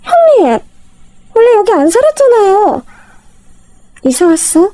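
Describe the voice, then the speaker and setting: A woman voicing pushy, whiny middle-aged sisters-in-law in a spoken story, with a shrill, wheedling tone. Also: sing-song, a little slow, mellow, no echo, heavily acted. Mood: whiny pleading.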